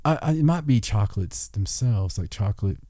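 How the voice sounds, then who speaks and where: A man's voice: fairly low pitch, lively intonation, a little fast, dark tone, dry recording, studio quality. A man hosting a podcast, reading from a list in a folksy way with joking asides and stumbles over foreign words. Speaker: podcast host. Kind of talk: reading listicle aloud with casual joking asides.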